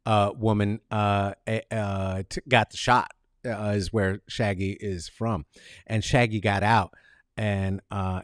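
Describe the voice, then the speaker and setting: A man hosting a casual comedic monologue, rambling and profane, animated and full of fillers. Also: lowish voice, no room sound, clean studio sound. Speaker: podcast host.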